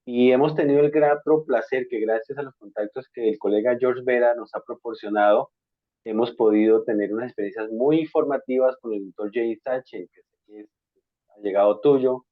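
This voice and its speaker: A man from Colombia hosting an interview on a video call, courteous and measured with frequent hesitations. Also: medium pitch, no echo. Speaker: interviewer, school counselor. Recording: dry, tinny call audio.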